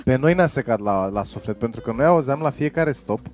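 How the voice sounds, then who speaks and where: A man's voice: medium pitch, expressive, a little mellow, soft background music. A man co-hosting a podcast, bantering and teasing in casual conversation. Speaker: podcast co-host.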